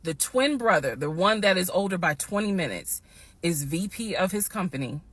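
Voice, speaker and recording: A woman casually telling a personal story to her viewers, animated and emphatic, slowing down to stress the key points. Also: fairly low pitch, dry recording. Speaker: storytime vlogger.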